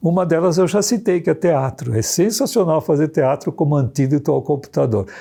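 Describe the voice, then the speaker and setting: This man's fairly high voice has a dark, mellow tone and lively intonation. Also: very clean recording, silent background. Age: 80s+. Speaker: computer science professor. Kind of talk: interview. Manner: halting with many repetitions.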